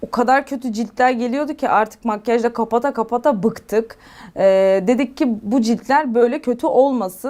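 Intonation stays fairly even as the speaker keeps a moderate pace. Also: woman, high pitch for a woman. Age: 30s. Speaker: beautician and permanent makeup trainer. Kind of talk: interview. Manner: hesitant with frequent fillers.

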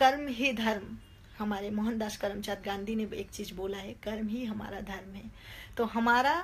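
Somewhat breathy and fairly high in pitch, a woman speaks at a fairly slow pace with fairly even intonation and big swings in loudness. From India, Gorkha community; India. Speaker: beauty pageant titleholder. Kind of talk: video statement. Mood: indignant, earnest. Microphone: phone near.

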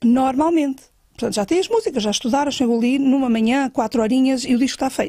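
A woman speaks fairly quickly at a high pitch with ordinary pitch variation. Her tone is dark and mellow, over a quiet background. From Portugal, Pegões (Ribatejo); Portugal. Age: 50s. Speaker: singer and accordionist; guest. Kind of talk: casual chat. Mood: relaxed, chatty. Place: studio. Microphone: studio mic.

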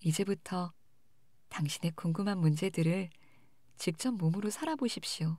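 A woman at a medium pitch speaks in a somewhat breathy, dark, mellow, soothing tone, with ordinary pitch variation and long, frequent pauses. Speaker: audiobook reader. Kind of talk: guided meditation. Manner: soft, slow, soothing and comforting.

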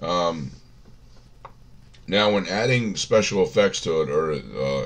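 A man speaks at a fairly slow pace with a very deep, low pitch. Vocal fry runs through his voice. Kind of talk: gaming tutorial talk. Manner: hesitant, many filler words.

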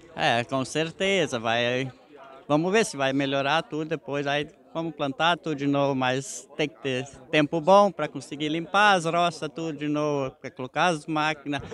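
A man talks at a moderate pace and a fairly high pitch, with ordinary pitch variation. The sound is dry with no echo, and there is light background noise. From Estrela, Rio Grande do Sul, Brazil; Rio Grande do Sul. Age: 40s. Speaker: farmer. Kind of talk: on-site news interview. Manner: halting. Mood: smiling, hopeful, grateful. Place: farm. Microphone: handheld.

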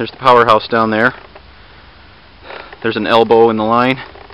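A man is speaking. The sound is dry, with no echo. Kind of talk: casual narrated walkthrough. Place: open country. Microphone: phone near.

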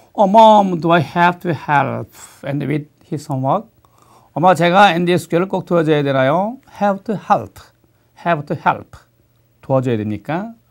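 A man with a high pitch and lively intonation talks at a fairly slow pace. Long, frequent pauses break up his speech against a quiet background. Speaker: English lecturer. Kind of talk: lecture. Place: studio. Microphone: lapel.

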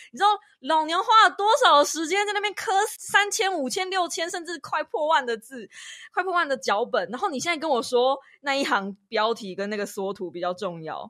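This woman's voice is high-pitched, raised and projected. Her pitch swings very widely. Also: moderate pace. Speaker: book-review YouTuber. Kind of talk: casual interview. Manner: chatty, talkative.

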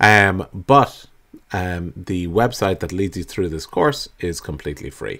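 Against a quiet background, the speaker uses ordinary pitch variation. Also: man. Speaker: game hobby vlogger. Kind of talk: casual vlog chat. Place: home room. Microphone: webcam.

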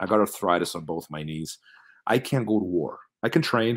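A man speaks at a fairly low pitch. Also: quiet background. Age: 40s. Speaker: podcast guest. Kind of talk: casual interview. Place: home room.

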